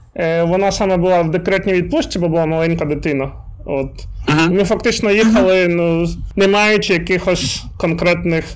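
Over noticeable background noise and audible room echo, a man with a high voice talks at a moderate pace with fairly even intonation. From Ukraine, Kyiv region (Brovary). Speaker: manga translator. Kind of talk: interview.

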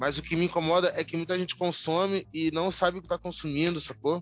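A man talking at a very fast pace. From Rio de Janeiro, Brazil. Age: 20s. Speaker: singer-songwriter. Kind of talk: casual chat. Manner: halting.

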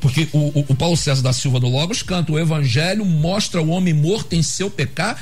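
A man speaks in a high pitch at a moderate pace. The recording carries audible room echo and noticeable background noise. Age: 50s. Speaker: Baptist pastor. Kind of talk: panel debate on radio.

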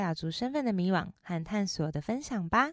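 A woman with an unremarkable speaking voice talks at a moderate pace in a medium pitch, with ordinary pitch variation, on a very clean recording with a silent background. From Taiwan, Hualien (Amis). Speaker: student radio host. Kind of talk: casual interview chat; scripted show intro.

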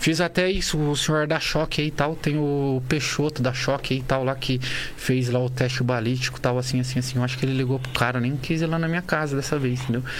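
Noticeable background noise and audible room echo surround a man speaking fairly quickly. He barely pauses, and his intonation stays fairly even. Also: medium pitch for a man. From Londrina, Paraná, Brazil. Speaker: digital influencer. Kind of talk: casual chat.

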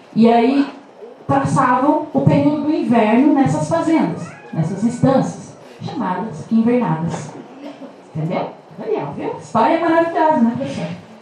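A woman's fairly high voice with very wide pitch swings, a fairly slow pace and long, frequent pauses, with audible room echo and music in the background. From Paraná, Brazil (quilombola community). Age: 20s. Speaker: activist and law student. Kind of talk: talk to a community audience.

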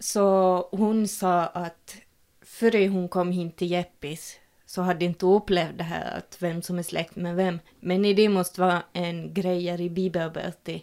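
Over a silent background in a very clean recording, a woman with a fairly low pitch talks at a fairly slow pace with fairly even intonation. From Finland, Ostrobothnia (Jakobstad area). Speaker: podcast co-host. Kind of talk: casual chat.

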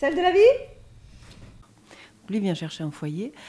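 A woman's voice carries a dark, mellow tone. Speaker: theatre director. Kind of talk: interview.

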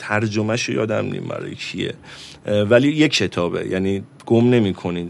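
With an unremarkable speaking voice, a man talks at a moderate pace, fairly low in pitch, with ordinary pitch variation. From Iran, Shahr-e Rey (south Tehran). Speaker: rapper. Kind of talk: casual chat.

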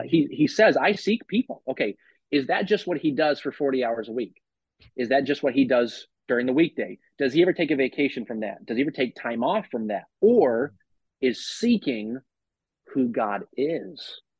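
With an American accent and an ordinary speaking voice, a fairly high-pitched man uses lively intonation at a moderate pace, sounding dry and close with no echo against a quiet background. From Maine, US. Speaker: evangelist. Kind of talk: casual interview.

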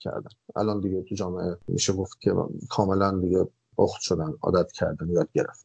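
Very fast speech from a man. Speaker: immigrant office worker. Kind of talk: casual chat.

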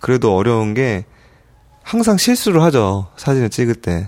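Here a man talks at a moderate pace and medium pitch. His tone is dark and mellow. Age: 30s. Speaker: camera company PR staffer. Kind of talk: interview.

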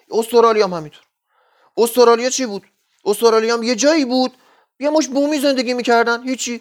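At a very fast pace and an extremely high pitch, a man talks in an animated tone with ordinary pitch variation on a very clean recording with a silent background. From Iran, Isfahan. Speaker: livestream host. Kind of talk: casual monologue.

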